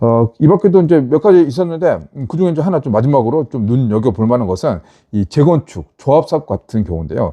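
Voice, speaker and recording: A man talks at a very fast pace in a dark, mellow, medium-pitched voice with very wide pitch swings. The sound is dry and close with no echo. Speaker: local real estate news YouTuber. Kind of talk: solo news commentary.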